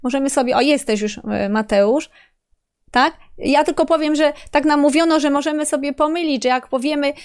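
A woman's voice: sits high, brisk, darkish tone. A woman interviewing a guest, chatty and given to laughing. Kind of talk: casual interview talk.

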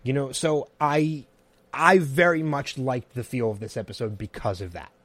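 A man co-hosting a podcast, excitedly recapping TV episodes in casual chat with restarts. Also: medium pitch, moderate pace, no room sound. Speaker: podcast co-host.

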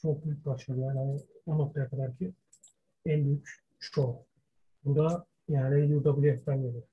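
A man's voice: mid-range voice, flat delivery, normal speed, husky, phone-quality sound. A man co-hosting a casual discussion, speaking self-admittedly poor Turkish, often searching for words and slipping in English terms. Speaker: podcast co-host. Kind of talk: casual wrestling history discussion.

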